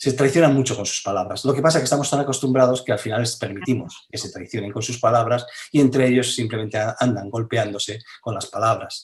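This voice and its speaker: A man's somewhat breathy voice at a very fast pace, medium in pitch with ordinary pitch variation. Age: 60s. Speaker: author and speaker on language. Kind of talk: interview conversation. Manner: halting, many fillers.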